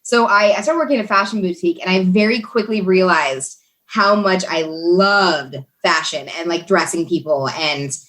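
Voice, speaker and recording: A woman's voice: lowish voice, normal speed, a bit bright. A woman from Texas, a podcast guest telling her life story in an earnest, chatty way with many fillers. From Texas, USA.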